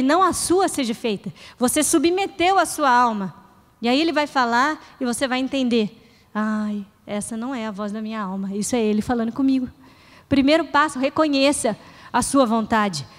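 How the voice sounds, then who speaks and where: A middle-aged woman pastor preaching in a church, earnest and conversational, acting out short prayers. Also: high voice. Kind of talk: sermon. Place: church hall. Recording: reverberant church hall.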